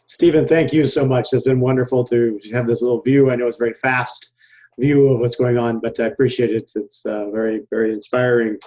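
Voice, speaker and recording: A man's voice: mid-range voice, fairly even intonation, moderate pace, dark tone, lo-fi sound. A man moderating an online conference, polite and appreciative.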